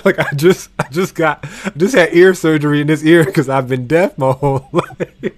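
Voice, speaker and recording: A man's voice: fairly high pitch, steady tone, normal speed, a little hiss or hum. A man hosting a casual interview, talking in an informal, slangy, joking way. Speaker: podcast host, interviewer. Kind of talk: casual chat.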